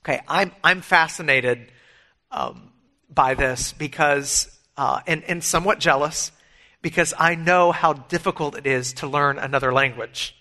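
This sermon comes from a middle-aged man whose bright, slightly raised voice leans high and moves at a measured pace. He handles scripture with earnest emphasis and readily weaves in stories from his own life.

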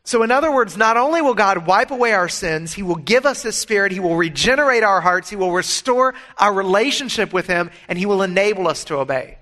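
A middle-aged male pastor delivers a sermon in a bright, slightly raised voice. He sounds earnest and emphatic as he works through scripture. He slips easily into personal stories along the way. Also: high-pitched, expressive, brisk, hardly any pauses.

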